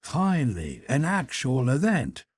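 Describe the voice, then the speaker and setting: A man's voice: mid-range voice, wildly swooping pitch, measured pace, slightly rough, no room sound, heavily acted. Man playing a blunt, jovial whaler, dry close sound. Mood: curious. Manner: folksy, teasing, skeptical. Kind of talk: audiobook character dialogue.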